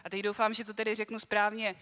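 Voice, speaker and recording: A woman's voice: mid-range voice, monotone, a bit bright. Woman hosting a stage in a hall. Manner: measured, welcoming. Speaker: stage host. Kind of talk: formal event introduction. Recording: long hall reverb.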